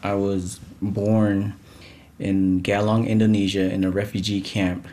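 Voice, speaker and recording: A man in his forties, raised in California, talks with a reporter in a casual, laid-back way, repeating a word here and there. His voice is very deep. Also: flat delivery, a little slow, warm tone. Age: 40s. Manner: plain, laid-back speech with restarts. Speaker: interviewee. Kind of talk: casual interview talk.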